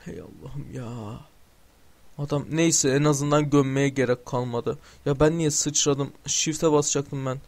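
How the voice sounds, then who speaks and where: A young man commenting on his gameplay, swearing often and yelling angrily at the game. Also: medium pitch, steady tone, unhurried, a little hiss or hum. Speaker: gameplay streamer.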